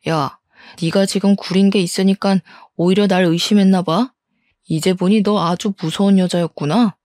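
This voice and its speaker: A woman's voice: medium pitch, steady tone, normal speed, a little mellow, dry recording, studio quality, close to an everyday voice. A woman voicing an angry cheating husband who blusters, scoffs and shifts the blame. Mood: scornful. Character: angry, defensive cheating husband in his thirties. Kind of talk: audio story dramatization.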